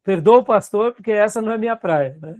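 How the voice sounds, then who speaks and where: A man's voice: sits high, animated, quick pace, a little mellow, no room sound. A man with a Brazilian Portuguese accent, a pastor teaching a seminary class in a conversational way and often checking in with his students. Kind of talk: classroom Bible lecture.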